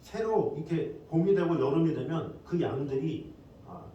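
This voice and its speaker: A middle-aged man preaching a sermon as pastor in a conversational way, with lively asides to the congregation. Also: on the high side, normal speed, dull audio. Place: church sanctuary. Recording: echoey hall, distant mic, faint noise.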